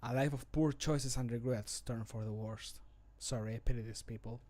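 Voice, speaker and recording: Man acting a somber, slow-spoken fantasy adventurer. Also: medium pitch, steady tone, a little mellow, lightly acted. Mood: somber, pitying. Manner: slow, dramatic, gapped delivery. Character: somber, pitying male fantasy game adventurer. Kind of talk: scripted game voice line. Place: small home room.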